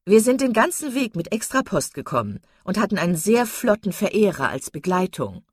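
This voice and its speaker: A woman's voice: medium pitch, sing-song, normal speed, slightly rough, no room sound, clean studio sound, voice pushed up. A woman voicing a silly, vain young woman who talks in an affected, simpering way.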